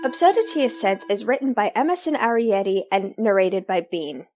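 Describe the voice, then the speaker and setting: A woman's voice: medium pitch, lively intonation, a little fast. A woman reading a scripted credits announcement for an audio drama, with instrumental music behind her. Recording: loud music over the voice. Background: loud instrumental music.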